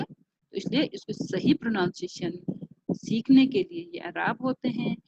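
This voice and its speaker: A woman with a Pakistani accent teaching a class online, sounding out words slowly and carefully and repeating them. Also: medium pitch, gravelly, slight background noise. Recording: dull lo-fi home recording.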